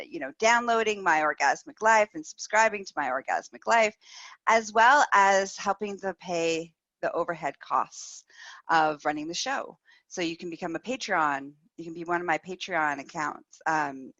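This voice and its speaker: A woman host telling stories in a casual, candid, animated way, with playful emphasis and repetition. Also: on the low side. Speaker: host of a personal sex-life show. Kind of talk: casual chatty storytelling. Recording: roomy echo, slightly dull sound.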